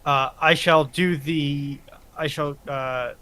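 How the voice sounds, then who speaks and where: A man's voice: on the high side, steady tone, slow, sharp tone. A man speaking as a panelist in casual, bantering conversation.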